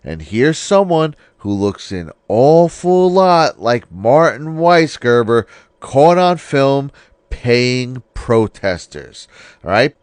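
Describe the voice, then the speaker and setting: Brief: male commentator, casual and rhetorical, dry close-miked sound, mid pitch. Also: a little mellow, dry recording. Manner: rhetorical, punctuated with "all right?". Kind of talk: casual commentary over video clips.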